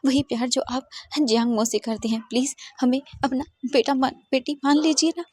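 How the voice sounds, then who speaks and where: Lady doing a high shaky young woman, just woke up, stammers and pleads, dry close sound. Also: moderate pace, a little mellow, no room sound. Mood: tender pleading. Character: young woman waking from coma, tearful.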